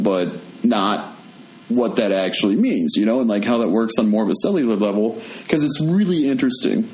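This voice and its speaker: Young male co-host, laid-back, walks through ideas step by step; roomy sound. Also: medium pitch. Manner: relaxed, explains step by step with many fillers. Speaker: podcast host. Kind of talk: casual chat and explaining. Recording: echoey room with faint music.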